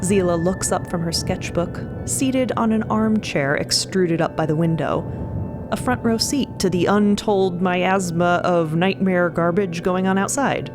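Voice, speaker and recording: Female narrator, low register, scripted dramatic storytelling with music underneath. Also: unhurried.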